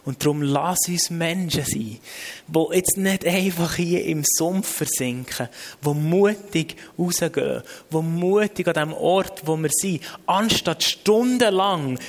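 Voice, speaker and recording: High-voiced Swiss German preacher man in a hall. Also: takes it slowly. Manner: informal, earnest, exhorting, repetitive phrasing. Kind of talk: sermon with spoken prayer. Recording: long hall reverb.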